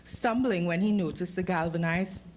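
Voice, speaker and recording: A woman's voice: on the low side, moderate pace, a little mellow. A woman with a Trinidadian accent, an author speaking and reading her fiction to a live audience with careful phrasing and a playful manner. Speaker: author reading from own short story. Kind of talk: literary reading with informal introduction to a live audience. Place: live lecture event before an audience. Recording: live talk with clear background noise.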